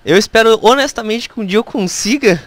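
A game streamer with a Brazilian Portuguese accent, excitedly commenting on gameplay during a live stream and talking straight to the game. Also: medium pitch, brisk, dry recording.

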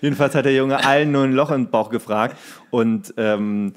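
A male podcast co-host talks in a casual, colloquial way. His pitch sits in the middle for a man. He tells anecdotes and slips into re-enacted dialogue as he goes. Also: normal speed.

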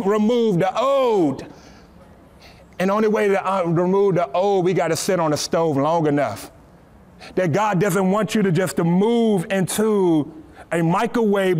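A young man with a high, light voice preaches from a church stage into a headset mic. He talks in a lively, repetitive way and keeps restarting his words with little stammers. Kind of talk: sermon. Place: church stage, seated on a stool.

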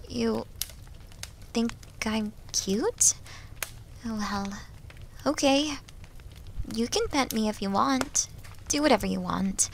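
Woman doing a shy needy wolf girl, asmr roleplay, high voice, slow and halting, plaintive, kinda breathy. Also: a little hiss or hum, heavily acted. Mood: shy, soft. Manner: soft, hesitant, breathy dips into whispering, plaintive. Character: timid, needy young wolf girl, self-loathing and devoted. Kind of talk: ASMR roleplay audio drama.

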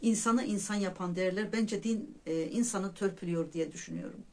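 A woman speaks to her viewers in an earnest, unhurried monologue, mixing pious phrases with dream stories. Her voice sits in a middle pitch and she keeps turning to her audience as friends. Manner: earnest, often addresses listeners as friends; reflective storytelling with pious phrases. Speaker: vlogger sharing dreams and religious reflections. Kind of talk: casual personal monologue to viewers.

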